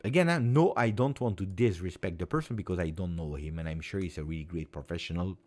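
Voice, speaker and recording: A man in his forties with a deep, slightly mellow voice talks fast while hosting a casual live chat for his fan channel. English isn't his first language, and he rambles earnestly, repeating himself.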